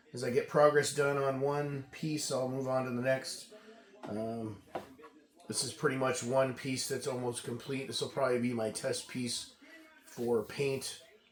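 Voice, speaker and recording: A man's flat, monotone voice at medium pitch and a fairly slow pace, with noticeable background noise. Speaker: scale model hobbyist. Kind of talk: casual tutorial vlog. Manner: loud; hesitant, many fillers. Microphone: no microphone, camera mic, may be quiet.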